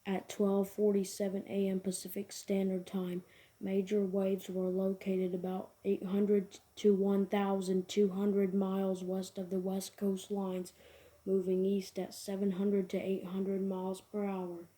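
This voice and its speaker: Flat, slow, mellow-voiced woman reading emergency alerts. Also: mid-range voice. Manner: formal, deliberate, monotone. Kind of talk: scripted emergency broadcast announcement.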